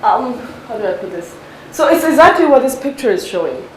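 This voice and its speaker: A woman giving a technical research talk, explaining step by step and often checking with a quick "right?". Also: a little high, big pitch swings, background noise. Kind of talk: technical lecture with questions from listeners.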